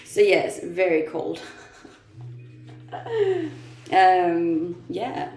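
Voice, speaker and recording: Woman from Denmark, casual livestream host, lots of vocal fry, roomy echo, faint music under her. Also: on the low side, big pitch swings, very slow, a little mellow. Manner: laughs often, chatty and self-amused. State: blocked nose from blowing it a lot. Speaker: livestreamer reading chat. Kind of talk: casual morning livestream chat.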